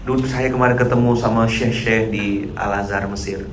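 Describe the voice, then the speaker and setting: Animated preacher in a roomy hall. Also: male voice, normal speed, background noise. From Indonesia. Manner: animated, jumps to loud high outbursts when acting out others; clears throat often. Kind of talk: casual sermon to a congregation. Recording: roomy hall with faint ambience.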